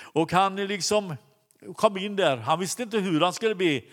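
A man preaching a sermon, telling a story with many halting restarts. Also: high voice, a bit bright. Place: church hall. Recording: long hall reverb.

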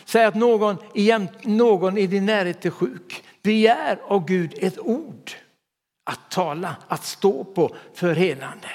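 A man preaching a sermon with fervor, often breaking into hallelujahs. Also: fairly high pitch. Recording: long hall reverb.

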